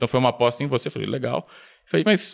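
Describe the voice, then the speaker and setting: This man has a medium-pitched voice with vocal fry, lively intonation, and a very fast delivery. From Brazil. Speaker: tech company founder and CEO. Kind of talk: podcast interview.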